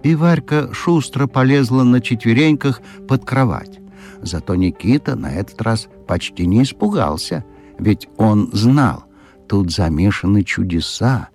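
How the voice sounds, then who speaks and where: A man's voice: medium pitch, a little mellow. Male audiobook narrator over music.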